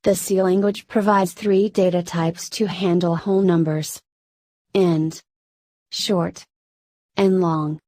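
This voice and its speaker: A woman narrating a programming tutorial in a flat, synthetic-sounding scripted delivery. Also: fairly low pitch, slow pace, long pauses, dry recording.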